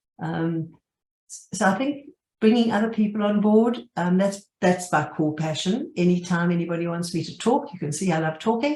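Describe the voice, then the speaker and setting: A woman's voice has a dark, mellow tone and is somewhat breathy. She uses lively intonation at a moderate pace. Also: medium pitch for a woman. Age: 80s+. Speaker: tree book co-author. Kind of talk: webinar interview. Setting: video call.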